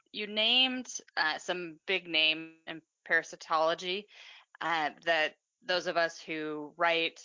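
Woman, 40s, interview host, thoughtful questions, bright tone, dry close sound. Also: on the low side, no echo, dull audio. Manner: thoughtful, sets up long questions. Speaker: podcast host.

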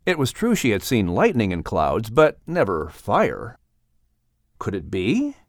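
A man narrating a children's animal story as an audiobook reader, in an expressive scripted storytelling style. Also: lowish voice, measured pace, dry recording, clean studio sound.

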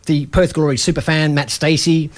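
A man hosts a community radio football show, his voice sitting somewhat high. He rambles through the lineup with fillers and restarts, poking fun at himself. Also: steady tone, normal speed. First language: English. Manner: rambling, self-deprecating, many fillers and restarts. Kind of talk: casual community radio chat.

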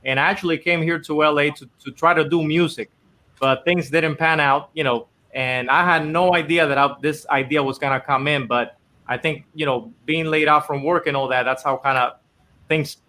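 A man from the Dominican Republic tells how his company began, earnest and rambling, with plenty of "you know"s. His voice is bright and forceful and sits a little high. He talks in the easy way of a guest in a casual interview. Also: steady tone, normal speed. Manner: earnest, rambling with many fillers.

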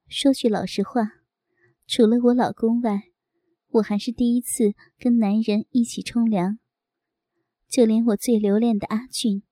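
Soft-voiced woman reading a story. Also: a little high, no room sound, studio quality. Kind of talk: scripted first-person story reading.

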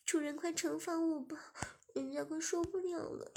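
A woman's voice: very high-pitched, fairly even intonation, normal speed, creaky, mellow, voice pushed up. A woman voicing a pouting, clingy young wife in an audio story, with a whiny, pleading manner.

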